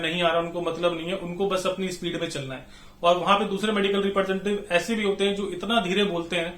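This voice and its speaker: A man's voice: high-pitched, fairly bright tone, reverberant. A man in his thirties giving a chatty sales-training lesson, calling viewers friends and filling gaps with "you know". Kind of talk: instructional talk to camera.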